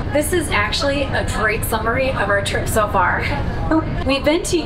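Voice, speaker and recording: A woman speaks at a moderate pace while loud background noise fills the recording. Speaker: travel vlogger. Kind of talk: casual vlog chat. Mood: cheerful, enthusiastic. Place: train.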